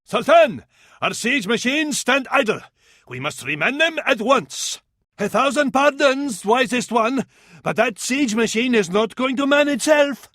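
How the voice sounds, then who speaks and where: An actor playing a fervent Arab advisor to a sultan in a strategy video game, with an Arabic accent and ornate, theatrical delivery. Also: male voice, very high-pitched, expressive, measured pace, bright, forceful tone, no room sound, studio quality, full character voice. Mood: deferential. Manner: ornate, dramatic, proverb-laden delivery.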